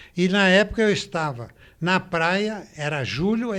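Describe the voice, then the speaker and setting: A man's voice with ordinary pitch variation. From Brazil, Minas Gerais (Juiz de Fora). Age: 80s+. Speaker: retired economist and former politician. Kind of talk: interview.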